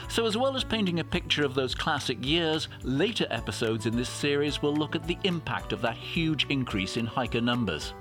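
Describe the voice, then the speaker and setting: A man with an English accent, narrating a hiking podcast in a measured, conversational way. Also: a little high, sing-song, a bit bright, soft background music. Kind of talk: documentary narration and travel diary.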